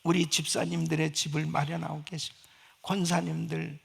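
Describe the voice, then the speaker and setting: A man's voice: on the high side, little pitch movement, moderate pace, gravelly, a bit bright, breathy edge. A male pastor preaching a fervent Sunday sermon, often asking the congregation rhetorical questions. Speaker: senior pastor.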